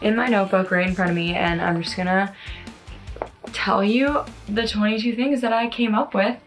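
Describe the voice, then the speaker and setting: A woman's voice: medium pitch, steady tone, normal speed, faint music behind. A woman in her early twenties chatting casually to her viewers as a vlogger, informal and peppered with filler words like "like" and "you know". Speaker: YouTube vlogger. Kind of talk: casual chatty talk to camera.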